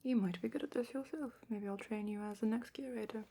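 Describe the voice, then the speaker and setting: A woman playing a calm, thoughtful dragon curator in a whispered ASMR fantasy roleplay, speaking softly and breathily with measured, musing pauses. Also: on the high side, creaky, slight background noise. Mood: musing, considering.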